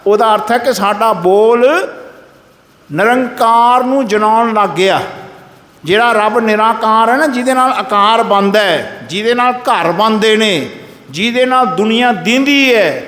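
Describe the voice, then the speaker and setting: A man giving a Sikh sermon to a congregation. He intones scripture slowly and calls on listeners to answer him aloud. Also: high-pitched, a bit bright. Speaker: Sikh preacher. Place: gurdwara hall in a village. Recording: echoey hall with long reverb.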